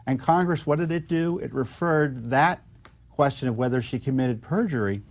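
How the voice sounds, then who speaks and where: A man with an American accent speaking off the cuff as a political commentator, measured and halting, making pointed arguments. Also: medium pitch, darkish tone.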